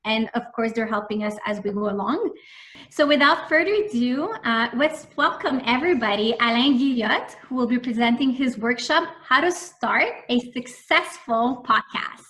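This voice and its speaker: A woman's voice: fairly high pitch, animated, normal speed, sharp tone. A woman hosting an online meeting over a video call, formally introducing the speaker with a few fillers. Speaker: meeting host.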